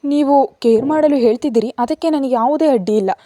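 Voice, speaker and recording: An earnest, anxious young woman, as a woman storyteller puts her on, pressing with questions. Her voice rides noticeably higher than the narration, with a mellow, dark colour. The sound is close and dry. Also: quick pace, no echo, lightly acted.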